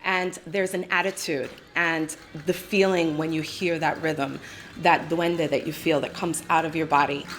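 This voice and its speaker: A woman's voice: low voice, fairly even intonation, a little slow, background noise. A woman who works as an attorney and dances flamenco, speaking confidently and emphatically. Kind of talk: interview. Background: flamenco music.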